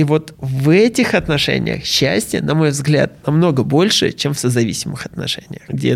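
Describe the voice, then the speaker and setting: Here is a man with an ordinary speaking voice and a fairly high pitch. He talks at a moderate pace with ordinary pitch variation. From Moscow, Russia. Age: 30s. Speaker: founder of a children's hiking project. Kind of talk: casual interview conversation.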